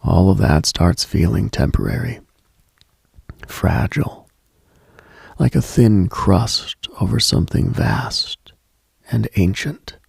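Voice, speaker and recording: A man hosting a late-night mystical radio show, delivering a hushed, solemn, dramatic monologue with deliberate pauses in a gravelly, husky voice. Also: sits low, no echo, clean studio sound. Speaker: radio host.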